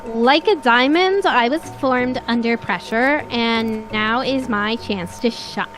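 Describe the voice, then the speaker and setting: A woman co-hosting a let's play, reading character lines aloud calmly. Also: fairly high pitch, slow pace, faint music behind, poor audio.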